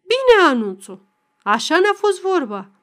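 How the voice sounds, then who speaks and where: A woman's voice: very high-pitched, sing-song, a bit bright, voice pushed up, exaggerated voice. A woman voicing a drunk, furious middle-aged peasant father who bellows threats. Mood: bellowing.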